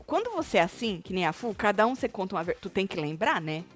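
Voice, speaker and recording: A woman's voice: mid-range voice, sing-song, fast talker, faint music behind. A woman co-hosting a casual web show about a reality program, retelling events in a chatty, dramatic way. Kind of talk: casual gossip commentary.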